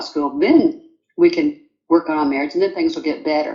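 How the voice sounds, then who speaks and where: At a moderate pace, a woman talks in a Southern US accent. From US South. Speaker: astronaut's wife. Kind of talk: interview testimony.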